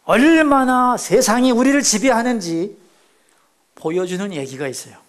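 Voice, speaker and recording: A middle-aged man preaching in a church with a fairly high voice. He swings from loud, ringing exclamations down to hushed near-whispers. He keeps putting questions to the congregation as he goes. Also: lively intonation, normal speed. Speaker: pastor. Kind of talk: sermon. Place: church sanctuary.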